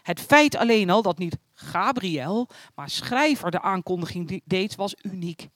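A narrator reads a religious story in a calm, measured way. The recording is dry and close, with no room sound. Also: mid-range voice, no room sound.

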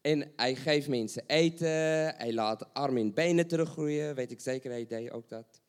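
A man's voice: medium pitch, normal speed, smooth. A man preaching a sermon, asking rhetorical questions and repeating phrases for emphasis.

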